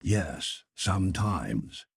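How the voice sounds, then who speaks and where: A man voicing a courteous, commanding submarine captain with a formal, measured manner in an audiobook. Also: deep voice, big pitch swings, gravelly, husky, heavily acted. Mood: measured, assured.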